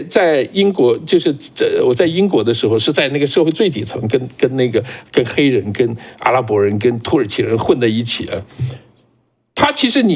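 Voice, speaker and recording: A man co-hosting a casual political talk show, speaking in an animated way and often repeating words as he starts a sentence. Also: sits high.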